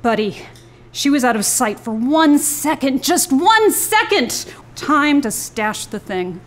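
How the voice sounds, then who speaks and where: A woman actor plays a mysterious young woman in a live noir radio play. Her voice is on the high side. She speaks in cool, cryptic, teasing lines that carry a threat. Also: sing-song, takes it slowly, slight background noise, exaggerated voice. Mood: coolly menacing. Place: live on stage in a club.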